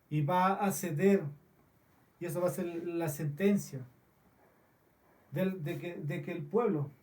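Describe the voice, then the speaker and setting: A man preaching a sermon as pastor, slow and deliberate with frequent restarts, recorded in a church. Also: a little high, mellow, distant mic. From Peru.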